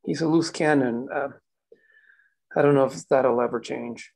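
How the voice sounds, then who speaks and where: A man voicing a gentle, steady man who calms others and comforts a friend, reading in a soft, reassuring way during a screenplay table read. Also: medium pitch, unhurried, creaky. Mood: comforting.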